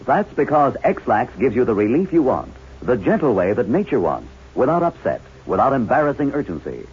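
A man's voice: medium pitch, very animated, fairly quick, breathy edge. A man working as a radio announcer, reading in a chipper, reassuring 1950s advertising style. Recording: muffled, hissy old radio broadcast.

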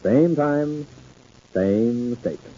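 A man's voice: mid-range voice, very slow, dark tone. A man working as an old radio announcer, reading scripted copy in a polished, emphatic sales manner. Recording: dull 1950s radio recording.

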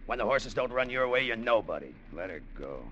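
A bitter broke gambler. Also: male voice, medium pitch, sing-song, brisk, bright, forceful tone, lo-fi sound, a little hiss or hum. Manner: streetwise slang, gruff. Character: down-on-luck male gambler, bitter tough talker. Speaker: lead and narrator. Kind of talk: 1950s radio drama acting.

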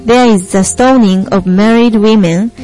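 A woman's voice: mid-range voice, a little slow, warm tone, close to an everyday voice, low-quality recording. A young woman playing an earnest American Christian panelist in a scripted student stage play, over music. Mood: earnest, measured. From Japan. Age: young adult. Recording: music behind the voice.

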